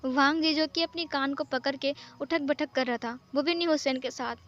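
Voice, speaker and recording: A woman narrating a fan-fiction story in a plain, steady retelling. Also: sits high, normal speed, muffled recording.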